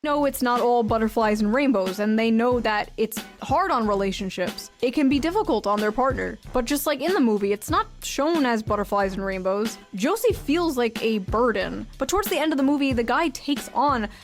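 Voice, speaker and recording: A woman's voice: fairly high pitch, expressive, normal speed, few pauses. A well-spoken woman delivering scripted video commentary, wry and emphatic, with jokey asides. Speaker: video essayist. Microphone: studio microphone. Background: music under the voice.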